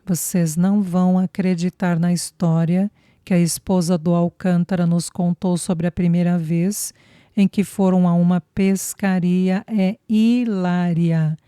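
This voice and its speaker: A woman's voice: on the low side, steady tone, measured pace, warm tone, clean tone, no room sound, studio quality, natural voice. A woman narrator voicing a jovial grown man who speaks in an amused way. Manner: laughing, amused.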